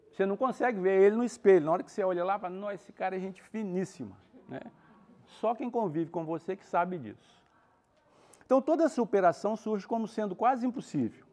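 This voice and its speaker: A man giving a spiritist talk, mixing relaxed everyday stories and humor into his teaching. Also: high voice. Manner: colloquial, storytelling with humor. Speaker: spiritist speaker.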